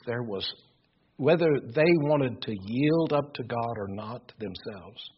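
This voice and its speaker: An older man preaching a sermon with a loud voice, earnest and emphatic, often repeating words as he builds his points. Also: mid-range voice, husky. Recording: dull lo-fi recording.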